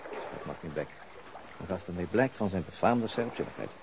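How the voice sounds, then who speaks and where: A man's voice: deep voice, expressive, normal speed. An actor playing a wry, self-mocking police detective in a radio drama, dry and sometimes hesitant in his delivery. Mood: sardonic musing. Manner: dry, sardonic, hesitant when talking. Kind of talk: radio drama dialogue and ironic inner monologue. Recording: noisy radio play with background ambience.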